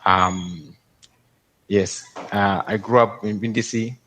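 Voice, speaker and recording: A man's voice: on the low side, steady tone, takes it slowly, sharp tone, slight background noise. A man, originally from Darfur, giving careful, hesitant testimony to a court over a video call. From Sudan, Darfur. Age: 20s. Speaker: victim testifying.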